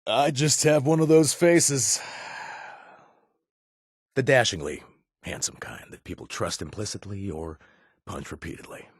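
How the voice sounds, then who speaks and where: An actor playing a wry, joking former raider who is protective of his friend, with a husky voice. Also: fairly low pitch, a little slow, long pauses, no echo, clean studio sound. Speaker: game companion. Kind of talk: video game voice lines.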